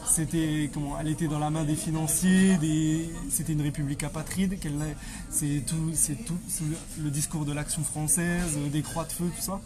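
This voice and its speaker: A man's voice: fairly high pitch, flat delivery, normal speed, over music. A man, an interview guest explaining history conversationally, often repeating and rephrasing his phrases.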